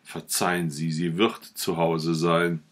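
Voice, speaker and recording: A man's voice: low voice, flat delivery, slow pace. A man reading aloud the lines of a passionate, touchy young idealist in a novel, speaking fervently. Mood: fervent, indignant. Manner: fervent, indignant.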